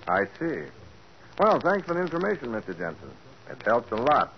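An actor playing a calm, clever male private detective in a 1940s radio drama with a dull, hissy sound. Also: medium pitch, normal speed. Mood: assured. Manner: calm, assured questioning.

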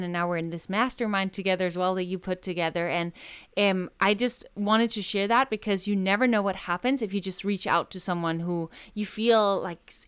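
A young Danish woman speaks as a podcast guest, effusive and chatty as she tells her story. Her voice is smooth and clear, recorded dry and close with little room sound. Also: medium pitch, no echo. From Denmark. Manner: warm, effusive, storytelling with fillers. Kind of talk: casual interview chat.

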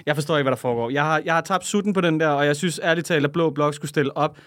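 A man's voice: on the high side, no echo. Ranting, swearing Danish male co-host. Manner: animated, ranting, swears often. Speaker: podcast co-host. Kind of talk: casual chat.

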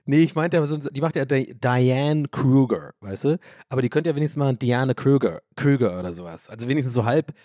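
A man's voice: medium pitch, fast, hardly any pauses, mellow, no room sound, studio quality. Rambling, joking man hosting a podcast. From Ireland. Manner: rambling, joking, self-mocking, swears casually. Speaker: podcast host. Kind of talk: casual rambling monologue.

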